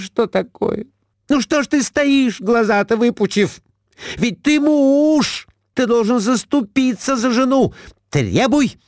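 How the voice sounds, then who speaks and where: A man voicing a shrill, scolding middle-aged wife who nags her husband and throws in broken French. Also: a little mellow, no room sound, clean studio sound.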